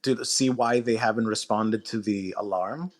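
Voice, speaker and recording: A man's voice: on the low side, moderate pace. A man speaking as a guest author in a casual, conversational interview.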